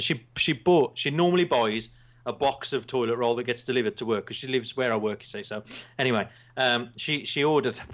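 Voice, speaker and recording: A man's voice: mid-range voice, fairly bright tone. A man with a Black Country accent hosts a casual podcast in a rambling, jokey, self-mocking way. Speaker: podcast host. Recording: slightly dull, lo-fi sound.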